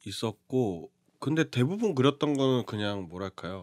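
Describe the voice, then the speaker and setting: This man speaks at a medium pitch and a moderate pace, with very wide pitch swings. The sound is dry and close, with no echo. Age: 30s. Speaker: webtoon artist. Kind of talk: interview. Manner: halting.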